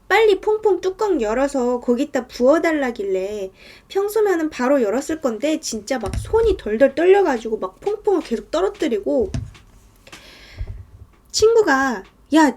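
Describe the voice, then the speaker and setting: A woman narrating a true horror story in a dramatic way, sometimes dropping to hushed tones. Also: sits high.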